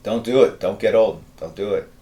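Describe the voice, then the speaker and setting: Reading viewers' messages during his live drawing stream, a fifty-something man chats loosely and rambles with plenty of filler words. His voice is dark and fairly low, his pace normal, and the audio has a roomy quality.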